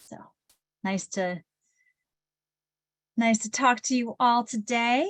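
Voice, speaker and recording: Speaking with a Midwestern accent, the voice moves very slowly with long, frequent pauses. The sound is dry and close, with no echo. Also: woman, fairly high pitch for a woman, ordinary pitch variation, big swings in loudness. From Michigan, Detroit area. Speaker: public affairs consultant and trainer. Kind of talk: webinar training. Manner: animated.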